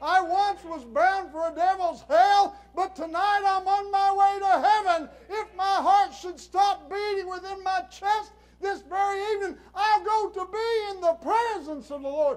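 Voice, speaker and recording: A man shouting at an extremely high pitch, at a fairly slow pace with ordinary pitch variation. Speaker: guest preacher. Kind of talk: fiery revival sermon with call-and-response amens. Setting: church. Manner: impassioned, building to shouted exhortations; folksy, repetitive, stammering restarts. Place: church.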